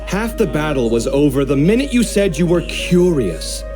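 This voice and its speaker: A man's voice: on the high side, sing-song, moderate pace, a little mellow, faint music behind. An actor playing a fussy, sarcastic young male architect in a video game, bickering in an exasperated way. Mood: earnest.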